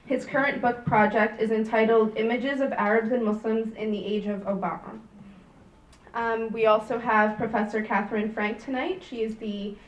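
A woman's voice: fairly high pitch, fairly even intonation, moderate pace, dull audio. A young woman student hosting an event, introducing a panel at a podium with a hesitant, um-filled delivery. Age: young adult. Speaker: student club president, event host. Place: large lecture room at a podium. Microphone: podium mic, far camera. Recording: echoey room from far off.

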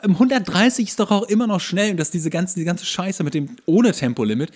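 A man's voice: high voice, brisk. A man co-hosting a podcast in casual comedic chat, ranting with sarcasm and exasperation. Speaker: podcast host.

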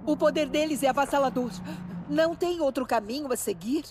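An actress playing a devout, solemn old tribal matriarch in a video game, earnest and reverent. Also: female voice, high voice, a little fast, darkish tone, slight background noise, lightly acted. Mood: urgent, reverent.

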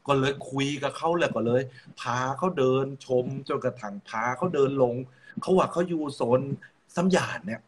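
A man's voice: medium pitch, lively intonation, moderate pace, slight background noise. A man with a Rayong accent, chatting on a radio show and telling stories, often repeating words as he gets going. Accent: Rayong Thai. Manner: storytelling, repeats words when starting. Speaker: co-host. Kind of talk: casual radio chat.

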